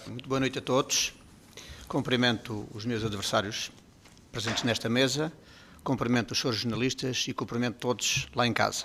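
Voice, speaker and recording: The voice has a bright, sharp tone and fairly even intonation, broken by long, frequent pauses. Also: man, medium pitch for a man, moderate pace. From Portugal, Mação (Abobreira). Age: 50s. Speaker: local politician, mayoral candidate. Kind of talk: political debate opening statement. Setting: studio.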